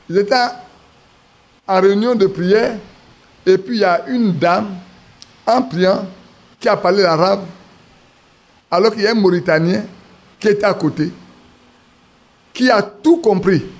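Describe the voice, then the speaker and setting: High-voiced preacher man. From Ivory Coast. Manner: storytelling with acted quotes, restarts. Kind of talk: sermon.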